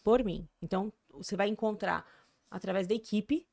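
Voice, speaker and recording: A woman's voice: mid-range voice, normal speed, creaky, darkish tone. A woman from Brazil, an English teacher, chatting casually as a guest and promoting her courses. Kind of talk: casual interview chat.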